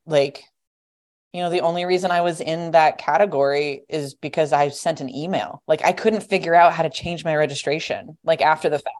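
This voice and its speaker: A young adult guest on a podcast, talking casually and rambling, with lots of "like" and "you know.". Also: female voice, low voice, steady tone, brisk, darkish tone.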